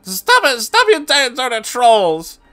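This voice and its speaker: A man's voice: very high-pitched, wildly swooping pitch, slow, pushed and bright, faint music behind, voice pushed up, heavily acted. A man voicing a possessed woman, a crude demon who howls and snarls in a comic horror story reading. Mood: crude fury.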